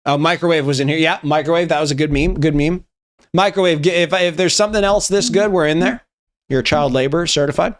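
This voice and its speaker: A man's voice: fairly high pitch, fast. A young man with a slightly raised voice reads out memes on a live stream and reacts to each one. He swears freely and laughs as he goes. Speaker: streamer reviewing viewer memes. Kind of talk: casual live-stream commentary.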